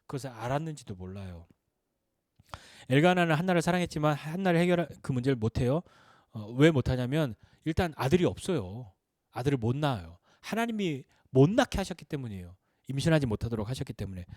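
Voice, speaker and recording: A man's voice: medium pitch, quick pace, no echo, clean studio sound. A man preaching a Sunday sermon as pastor, asking questions and answering them, his voice rising and dropping for emphasis. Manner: lively, questioning, rises and drops for emphasis.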